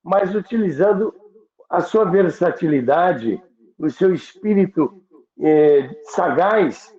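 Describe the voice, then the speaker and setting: A Brazilian man presents a radio history show at a very slow pace. He tells stories with deliberate emphasis in a conversational style. The sound is strongly echoey and narrow, like a limited-band line. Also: high-pitched, expressive, a little mellow.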